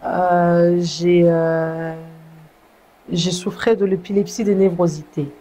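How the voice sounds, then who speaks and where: A young woman from Congo speaks in a low, mellow voice, measured and earnest. She tells her story as an interview guest, pausing and restarting often. Faint noise sits under her voice. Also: little pitch movement. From Congo (DRC). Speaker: guest, gospel singer. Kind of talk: testimony interview.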